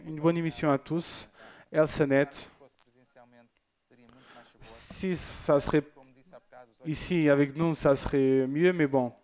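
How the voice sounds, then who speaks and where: A man's voice: a little high, steady tone, slow, long pauses, darkish tone, clean tone. A man presenting a church TV program, reading out viewer messages in a chatty, joking way with loose asides. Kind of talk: casual broadcast chat reading viewer messages.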